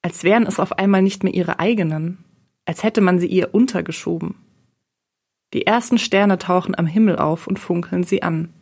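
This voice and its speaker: A woman narrating an audiobook in a calm, even storytelling manner. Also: on the low side, normal speed, creaky, husky.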